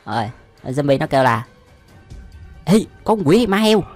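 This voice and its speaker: A man's voice: fairly high pitch, very animated, normal speed, faint music behind. Southern Vietnamese man doing exclamatory reaction commentary. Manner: slangy, frequent exclamations and laughter. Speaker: reaction video host. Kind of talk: casual, exclamatory reaction commentary over animation.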